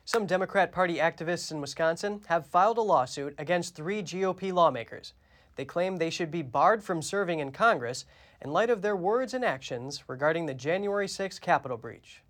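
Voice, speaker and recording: A male news anchor reading story introductions in a crisp, formal way. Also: a little high, expressive, fairly quick, fairly bright tone.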